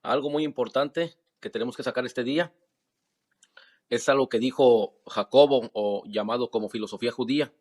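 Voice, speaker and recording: A man's voice: mid-range voice, darkish tone. A man speaks in a mid-range voice, repeating his point again and again. He argues with a clip he is playing and keeps asking pointed rhetorical questions. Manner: insistent, repetitive rhetorical questions. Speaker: online religious commentator. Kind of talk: refutation commentary on a played video.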